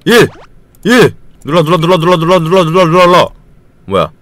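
A young man commenting casually on a game he is playing. He reads the on-screen text in a flat lower voice, then gets excited, yells and swears at the game. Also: fairly quick. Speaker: game streamer.

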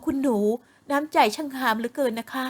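A woman's voice: sits high, a little fast, voice pushed up, natural voice. Woman voicing an old female masseuse, humble, fawning, polite, storybook. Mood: flattering.

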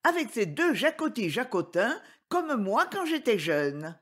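A woman doing a shrill old peasant woman. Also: big pitch swings, measured pace, a bit bright, exaggerated voice. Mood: marveling. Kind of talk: storybook reading.

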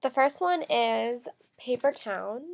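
A woman's voice: fairly high pitch, lively intonation, slow pace, vocal fry. A young woman with a slight cold, chatting casually through a book review from her bedroom into a close webcam, with lots of fillers and restarts. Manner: chatty, gestures a lot, many fillers and restarts. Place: bedroom with photo-covered wall. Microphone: webcam at close range.

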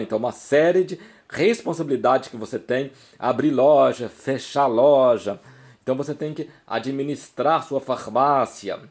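A man with a Brazilian accent and a medium-pitched voice talks as the host of an advice video. He explains informally through examples, repeating key points with emphasis and often checking in with short tags. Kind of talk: informal instructional talk to camera, explaining with examples.

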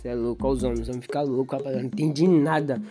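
A man's voice: medium pitch, fairly even intonation, racing. A young Brazilian man with a Brazilian Portuguese accent casually narrating his gameplay, rambling in street slang and hyping up his viewers. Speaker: gaming YouTuber. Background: game music.

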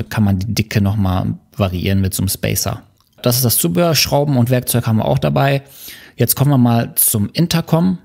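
Guy doing a chill gadget review, kinda gravelly voice, lots of ums. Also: mid-range voice. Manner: relaxed, explanatory, with many fillers. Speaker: channel host reviewing motorcycle intercoms. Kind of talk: casual product review.

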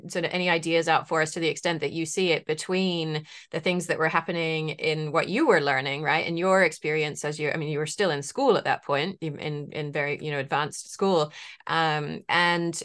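Middle-aged lady host asking questions on a video call, lowish voice, bit of restarting. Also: a bit bright. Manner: curious, probing questions with restarts. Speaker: podcast host. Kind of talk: casual interview over video call. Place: indoors in a home room.

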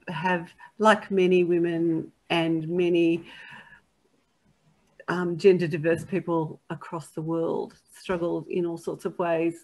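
A middle-aged woman speaks earnestly on a panel video call from her kitchen. Her voice stays level and even, with little rise and fall. She rambles a little and stops to correct herself. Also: on the low side, rough recording. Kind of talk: panel discussion. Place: kitchen at home.

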